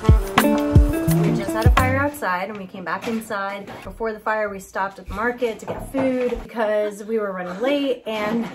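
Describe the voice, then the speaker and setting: A young woman chatting casually and brightly as she vlogs a trip with friends. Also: mid-range voice, unhurried. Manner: bubbly, chatty, laughing often. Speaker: vlogger. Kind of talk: casual vlog chat. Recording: loud music bed under the voice.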